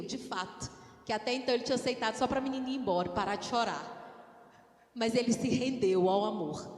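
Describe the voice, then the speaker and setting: A woman with a Brazilian accent preaching a sermon, animated and calling on the congregation to respond. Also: fairly high pitch. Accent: Brazilian Portuguese. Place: church hall. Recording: echoey church hall with long reverb.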